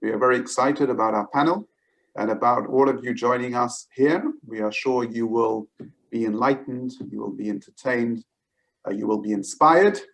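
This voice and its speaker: A man hosting an online event, giving a formal welcome with many halting fillers. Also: medium pitch, rough recording. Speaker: event host.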